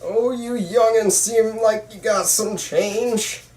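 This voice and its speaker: A hammy, pitiful old beggar acted out by a man with folksy phrasing and a raised pitch. It is an amateur read in an echoey room. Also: fairly even intonation, slow, a little mellow. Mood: pleading. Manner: folksy, exaggerated old-timer talk. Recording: echoey room, distant mic, faint noise.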